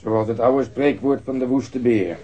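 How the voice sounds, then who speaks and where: An actor in a radio drama playing a cynical, dismissive police detective with a blunt, sardonic, terse way of talking. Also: male voice, mid-range voice, measured pace, dark tone, highs cut off, lightly acted.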